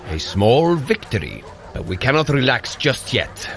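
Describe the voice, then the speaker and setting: A hearty, wildly animated warrior god. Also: male voice, medium pitch, measured pace, vocal fry, faint music behind, heavily acted. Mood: encouraging. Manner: earnest, commanding, encouraging. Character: hearty, noble warrior god, protective and encouraging brother. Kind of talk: scripted audio adventure acting.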